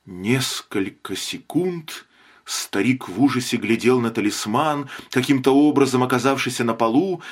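Male audiobook narrator, measured expressive reading of a dark story. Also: mid-range voice.

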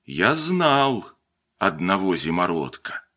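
A man reading aloud, voicing a weathered grey-haired man who speaks low, quietly and slowly in a storybook. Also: sing-song, heavily acted. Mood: pensive. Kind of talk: audiobook character voice.

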